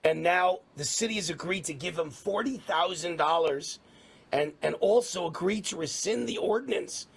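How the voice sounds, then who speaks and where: A man's voice: high-pitched, normal speed, vocal fry, slightly rough. Fiery ranting male talk host. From New York. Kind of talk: political talk show monologue.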